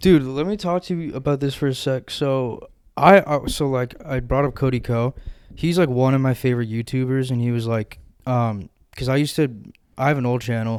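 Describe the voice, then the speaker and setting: This man has an ordinary speaking voice, medium in pitch with ordinary pitch variation. He talks at a fairly quick pace. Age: 20s. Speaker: podcast guest. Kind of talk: casual chat.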